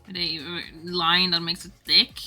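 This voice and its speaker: A woman streaming casually to her viewers in a giggly, rambling, animated and teasing way as she works on art. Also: on the low side, a little slow, faint music behind. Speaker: streamer drawing game art live. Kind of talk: casual livestream chat with viewers.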